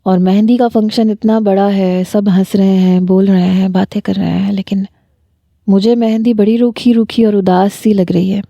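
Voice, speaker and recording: A woman voicing a smitten young male doctor who speaks softly and earnestly, read out in a story. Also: mid-range voice, level tone, creaky, no room sound. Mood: pleading. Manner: soft, coaxing and earnest. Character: young man, a smitten doctor, gentle and persistent. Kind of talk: story narration.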